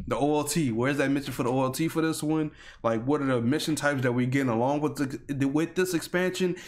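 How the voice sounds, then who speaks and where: A man giving casual, slangy, excited reaction commentary while a game trailer plays. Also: fairly high pitch. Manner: excited, slangy, talks over the video. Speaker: YouTube gaming reactor. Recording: music from the trailer underneath. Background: game trailer audio playing.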